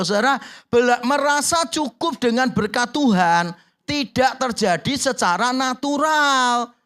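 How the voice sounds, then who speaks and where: A man's voice: very high-pitched, bright, forceful tone. A man preaching as a church pastor, joking and acting out little dialogues in voices. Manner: humorous, acts out quoted dialogue in voices. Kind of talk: sermon.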